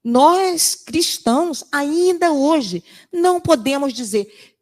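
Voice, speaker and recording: A woman's voice: sits high, expressive, slow. An older woman giving a spiritist lecture, emphatic and full of rhetorical questions, telling stories with acted quotes. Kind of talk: sermon-like lecture.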